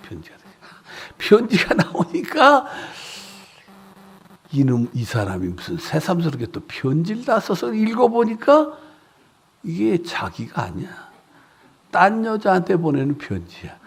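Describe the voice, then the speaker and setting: Man, revival preacher, husky voice, swinging up and down in pitch, animated storytelling. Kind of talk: revival sermon. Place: church sanctuary.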